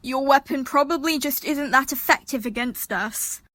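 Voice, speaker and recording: A woman playing a quick-thinking young woman who bluffs politely in an audio drama, careful and placating. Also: high voice, fairly bright tone, no echo. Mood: nervous, bluffing.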